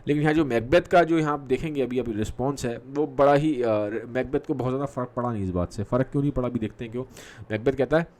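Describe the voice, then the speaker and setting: A man's voice: medium pitch, a little mellow. Chatty male literature teacher. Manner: mixes Hindi with English terms, many fillers and "theek hai" checks; reads quoted verse slowly with halting restarts. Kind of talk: explaining a play in a lesson.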